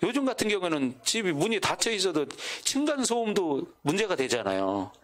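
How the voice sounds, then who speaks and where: A male pastor delivers a sermon in church, pitched a little high for a man. His intonation rises and falls sharply as he fires off rhetorical questions. He also mimics what the neighbors might say. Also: sing-song, a little fast. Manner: preaching with constant rhetorical questions; acts out quoted neighbors in his own voice. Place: church sanctuary.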